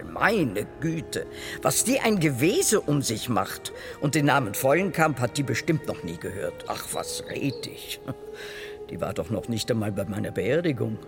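An actor playing a bitter, dead parent who sneers at relatives in a long reproachful monologue. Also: male voice, mid-range voice, big pitch swings, a little slow, vocal fry, music in the background. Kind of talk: radio play monologue.

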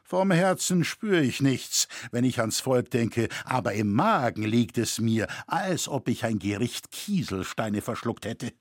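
A man reading the part of a boastful, sharp-tongued old woodcarver in a historical audiobook. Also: mid-range voice, animated, unhurried, few pauses, dry recording, clean studio sound. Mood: grumbling.

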